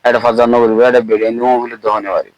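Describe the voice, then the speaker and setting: A man's voice: medium pitch, flat delivery, brisk, no echo, muffled recording. A man with a Rohingya accent giving informal, colloquial spoken commentary, repeating phrases for emphasis.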